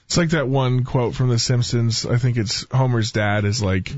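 A man's voice: mid-range voice, fairly even intonation, normal speed, a little mellow, no echo, highs cut off. A man in casual discussion as a co-host on a talk radio show.

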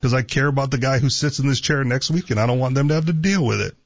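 A man co-hosting a casual talk show, sarcastic and teasing, with a raspy, parched voice. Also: mid-range voice, quick pace, no room sound. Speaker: co-host. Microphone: studio microphone. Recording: dull lo-fi sound.

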